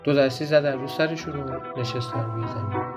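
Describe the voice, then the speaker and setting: A man reading a folk tale aloud for a podcast, in a gentle storytelling way that turns to ask the listeners questions. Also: medium pitch, over loud music. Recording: dull, slightly noisy recording.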